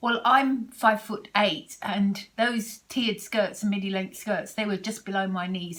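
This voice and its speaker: Noticeable background noise is present. A woman speaks at a moderate pace and medium pitch. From Britain. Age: 60s. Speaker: sewing vlogger. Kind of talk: casual vlog talk.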